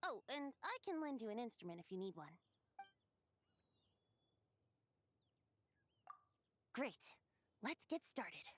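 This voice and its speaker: A woman playing a youthful, playful boyish wind spirit bard in a game, speaking in a gentle, poetic and theatrical way. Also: on the high side, sing-song, normal speed. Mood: friendly, inviting. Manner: lilting, theatrical, politely poetic. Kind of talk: game character dialogue. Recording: music behind the voice. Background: music.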